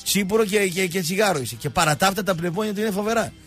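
A man's voice: sits high, animated, a bit bright, soft background music. A male radio show host rambling through mocking, jokey sports banter.

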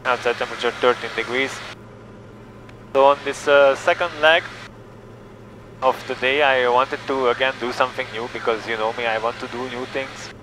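Calm pilot on a headset mic. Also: male voice, medium pitch, moderate pace. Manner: calm, methodical, reads back clearances. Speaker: private pilot. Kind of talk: cockpit narration and radio calls. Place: small plane cockpit in flight. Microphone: headset boom mic. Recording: engine noise through headset intercom.

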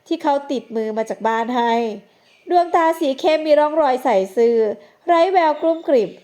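A woman with a high voice narrates an audio novel from a script, reading in a measured and expressive way.

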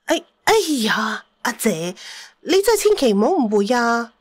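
A woman's voice: a little high, very animated, moderate pace. Woman acting a cheeky, wheedling older auntie. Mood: flustered, pleading. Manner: pleading, then cheekily boastful. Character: cheeky, flustered older second mother, vain and wheedling.

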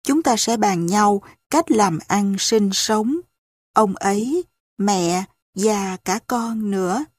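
A woman's voice: medium pitch, slow, no echo, clean studio sound. A woman voicing a loving village foster mother, speaking in a soothing, reassuring way.

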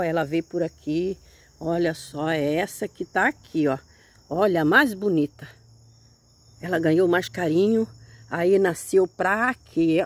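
A woman's voice: on the low side, no echo. Grandmother in her seventies, folksy and chatty, outdoors in a hillside garden, dry sound. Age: 70s. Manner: chatty, folksy, keeps saying "look here", religious exclamations. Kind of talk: casual chat while tending plants.

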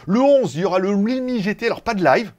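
A man's voice: high-pitched, animated, fast talker, a little mellow. A man hosting a casual live tech news stream, chatty and rambling, swearing freely and laughing at his own jokes.

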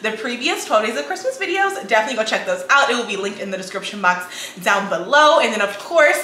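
A young woman, a bit hoarse from a cold, chatting casually to her viewers from her home kitchen. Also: a little high, lively intonation, fast talker, bright, forceful tone. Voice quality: raspy. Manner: chatty, addresses viewers as guys and y'all. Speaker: lifestyle vlogger. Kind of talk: casual chat to camera. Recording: echoey kitchen with faint noise.

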